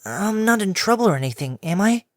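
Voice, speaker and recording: A man's voice: sits high, very animated, fairly quick, no room sound, studio quality, pitched above the performer's own voice. A man reading an audiobook, voicing a brash, tomboyish young filly pony with a cocky, awkward manner.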